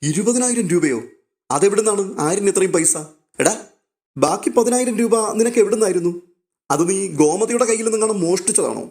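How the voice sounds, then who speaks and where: A man's voice: high-pitched, lively intonation, a little fast, a little mellow, voice pushed up. A man voicing a stern, commanding older father who heads the household. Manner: commanding, interrogating.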